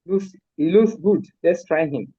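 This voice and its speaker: An older Lagos woman with a Nigerian accent, a mother and grandmother, speaks as a guest in a live interview about raising her children. Her voice sits on the low side, warm and slightly rough, at a measured pace, and she is emphatic and firm, repeating points with force. The audio is dull but has no echo.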